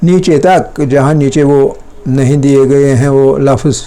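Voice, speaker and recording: A Persian teacher with a slow, dark, mid-range voice gives a classroom language lesson, dictating and drilling vocabulary. He patiently explains and repeats each word many times, checking on pupils with short questions.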